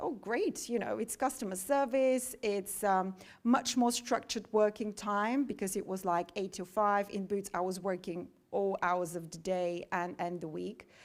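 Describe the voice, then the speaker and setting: A woman with a non-native accent, ordinary pitch variation and a fairly slow pace, on a very clean recording with a silent background. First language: not English. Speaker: construction operations manager. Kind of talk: speaking to a group about her career. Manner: hesitant, many fillers.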